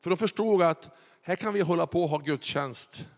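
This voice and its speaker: A man preaching a sermon, telling a story with animated delivery that builds to loud excited peaks. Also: fairly high pitch. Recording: echoey hall with faint music. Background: faint music.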